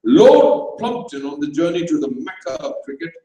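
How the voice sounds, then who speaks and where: Male story reader, theatrical and measured, slightly high voice with a mellow tone, distant in a reverberant room. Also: very animated, dull audio. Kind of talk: dramatised comic short story reading for an audience. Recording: very echoey room, distant microphone.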